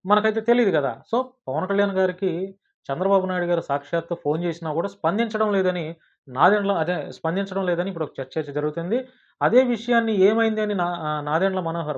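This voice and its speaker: A man with a Telugu accent presenting political news commentary, addressing viewers formally and with emphasis. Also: a little high. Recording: dull, lo-fi sound.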